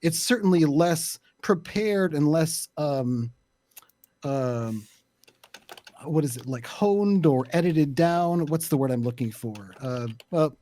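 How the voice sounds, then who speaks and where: A man explaining his opinions in a casual discussion, deliberate and often searching for the right words. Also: a little high, expressive, warm tone, dry recording. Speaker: panelist, actual play creator.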